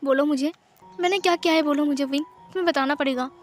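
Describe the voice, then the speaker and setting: A woman's voice: high voice, fast talker, faint music behind, natural voice. A woman voicing a hurt, confused young man who pleads with his partner. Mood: pleading, hurt.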